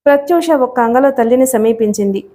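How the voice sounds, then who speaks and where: A woman narrating a novel in a steady, measured storytelling voice. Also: a little high. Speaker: audiobook narrator.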